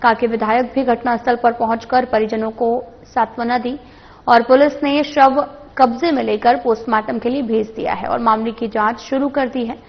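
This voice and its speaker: A woman anchor reading a regional news bulletin in a steady, formal manner with small slips. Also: a little high, moderate pace, highs cut off.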